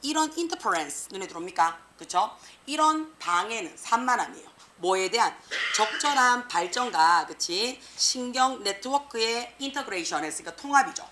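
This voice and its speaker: A woman English teacher giving an exam prep lecture, lively and slangy, peppering students with rhetorical questions. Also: fairly high pitch, normal speed, a little hiss or hum. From South Korea.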